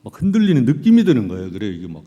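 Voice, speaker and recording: A middle-aged male pastor preaching a sermon, telling personal stories in an animated way and acting out scenes. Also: mid-range voice, rapid-fire, dull audio. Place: large hall at a church camp. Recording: long reverb of a large hall.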